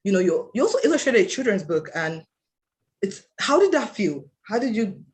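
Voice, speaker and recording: An interviewer hosting a casual chat, speaking excitedly with many fillers like you know and like. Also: medium pitch, normal speed. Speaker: interviewer host. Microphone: video call.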